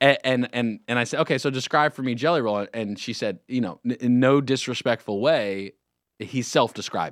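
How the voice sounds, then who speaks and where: At a moderate pace and medium pitch, a man speaks with ordinary pitch variation in a dry, close recording with no echo, very clean with a silent background. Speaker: radio morning show host. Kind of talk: casual radio banter. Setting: studio. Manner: animated.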